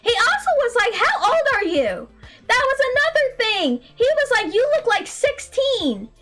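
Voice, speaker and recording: A woman in her late twenties with a very high, small voice, telling a story in a casual chat full of laughs and fillers. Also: unhurried, soft background music. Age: late 20s. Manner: animated, laughs often, frequent likes and ums. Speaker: indie game developer and streamer.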